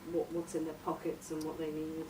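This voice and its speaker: Low-voiced woman, roomy distant recording. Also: completely flat delivery, a little fast. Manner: tentative, searching for words. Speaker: workshop participant presenting a radio drama outline. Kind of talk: halting informal story pitch. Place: echoey room, recorded from a distance. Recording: roomy, distant mic, noisy background.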